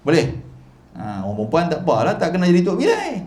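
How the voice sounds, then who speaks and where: A man's voice: on the high side, huge pitch swings, fast talker, darkish tone, reverberant. A male religious teacher giving a chatty mosque lecture, modelling Arabic letter sounds. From Malaysia. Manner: chatty, demonstrative, repeatedly modelling Arabic pronunciation.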